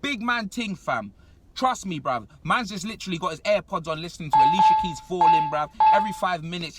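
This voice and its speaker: A young man, giving a comedic, slang-heavy rant as a football fan in an animated, exasperated manner. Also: on the high side, distant mic.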